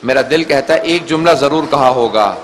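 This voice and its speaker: A man's voice: on the high side, long reverb tail, a little hiss or hum. A man, a Muslim cleric, gives an emotional mourning sermon at a Muharram gathering, telling the story in a pleading way. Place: mosque or hall before a gathering.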